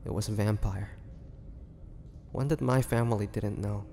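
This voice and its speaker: A man playing a melancholy half-vampire, confiding his past slowly and haltingly in a dramatic audio roleplay monologue. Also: lowish voice, fairly even intonation, dark tone, lightly acted. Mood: somber. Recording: long reverberant hall, faint noise.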